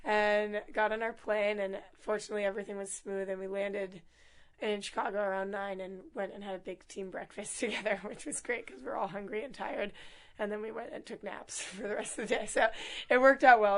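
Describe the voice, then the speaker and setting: A hoarse young woman, a student athlete and team captain, chatting casually in an interview with frequent laughs and fillers. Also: medium pitch, little pitch movement, fairly quick. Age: young adult. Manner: upbeat, laughs often, many fillers.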